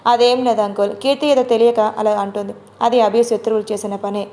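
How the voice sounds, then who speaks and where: A woman's voice: on the high side, fairly even intonation, quick pace, warm tone, lightly acted. A nervous young man dodges the question in a hesitant, evasive voice, as a woman narrator puts him on. He sounds like he is hiding something in this audio drama.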